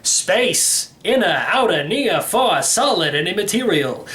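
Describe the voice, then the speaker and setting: A man's voice: high voice, big pitch swings, unhurried, pushed and bright, a little hiss or hum, heavily acted. Man voicing an emphatic, eccentric old storybook uncle. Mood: brisk, lecturing. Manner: emphatic, quizzing, teacherly. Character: elderly, eccentric, brusque uncle, a time-travel tutor. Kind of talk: storybook character reading.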